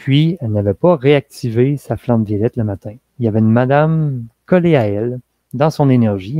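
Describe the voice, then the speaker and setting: Soft-spoken, a man talks at a moderate pace with ordinary pitch variation in a Quebec accent. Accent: Québécois French. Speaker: spiritual energy healer. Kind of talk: online conference talk. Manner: halting.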